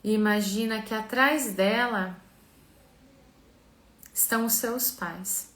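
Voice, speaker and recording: Soothing Brazilian woman guiding relaxation, echoey room. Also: medium pitch. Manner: slow, soothing, gentle, with long pauses. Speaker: mentor and therapist leading a live session. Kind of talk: guided relaxation and visualization.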